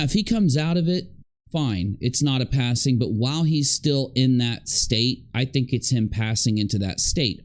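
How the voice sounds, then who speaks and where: A man's voice: on the high side, darkish tone. A man hosting a casual reaction stream, talking straight to his audience and posing hypothetical questions. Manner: talks directly to viewers, posing hypothetical questions. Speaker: commentary livestream host.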